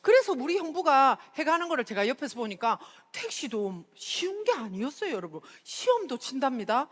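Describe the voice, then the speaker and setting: A middle-aged woman with a Busan accent, giving a chatty, storytelling motivational talk at a seminar and often calling out to the audience. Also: sits high. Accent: Busan dialect of Korean. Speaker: speaker at a sales seminar. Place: large hall. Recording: reverberant hall, stage mic.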